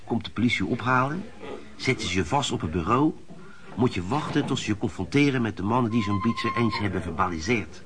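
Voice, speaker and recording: An actor in a Dutch radio play voicing a knowing, streetwise veteran lodger, talking in a wry, confiding, colloquial way. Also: male voice, lowish voice, lively intonation, brisk, background noise, natural voice.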